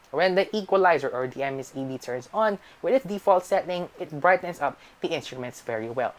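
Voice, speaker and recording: A woman with a Filipino accent narrating a scripted tech review. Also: low-pitched.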